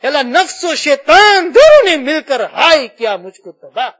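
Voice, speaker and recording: High-pitched man in pleading Muslim prayer. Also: very animated, normal speed, fairly bright tone. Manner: pleading, with repeated invocations. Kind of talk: impassioned supplication prayer. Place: mosque gathering.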